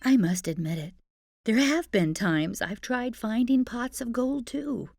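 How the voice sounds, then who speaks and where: A woman's voice: on the high side, unhurried, darkish tone, no room sound. A woman hosting a children's storytime, narrating expressively with playful, chatty asides to young listeners. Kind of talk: expressive fairy-tale narration. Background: music.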